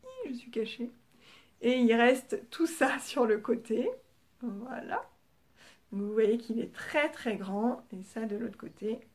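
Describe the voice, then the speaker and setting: Speaking slowly toward a camera, a podcast host with a French accent shows off her knitting in relaxed, chatty show-and-tell. Her somewhat high voice is sprinkled with frequent fillers and gentle asides that trail off.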